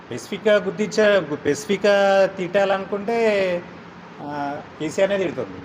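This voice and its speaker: A man's voice: sits high, lively intonation, brisk, a little hiss or hum. A man, an activist assertively arguing political points in an interview. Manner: assertive, argumentative.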